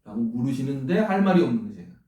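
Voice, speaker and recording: A man's voice: medium pitch, big pitch swings, rapid-fire, dark tone. A male pastor preaching a sermon, telling a story with earnest emotion and quoting God's scolding questions. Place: church sanctuary. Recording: echoey church hall, mic at a distance.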